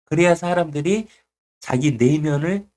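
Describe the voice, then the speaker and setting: A man's voice: on the high side, measured pace, a little mellow. A male preacher giving a Bible teaching sermon in a blunt, colloquial and emphatic way, often putting questions to his listeners. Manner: asks the audience questions.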